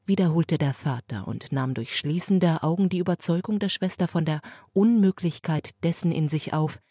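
A woman voicing a tired old father in an audiobook reading, speaking slowly, quietly and half questioning. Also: low voice, no echo, studio quality. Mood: doubtful. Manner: slow, subdued, half questioning.

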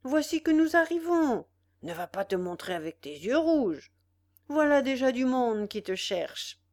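Brisk motherly farm wife, slow and soothing, read by a woman. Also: sits high, very animated, darkish tone. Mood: comforting.

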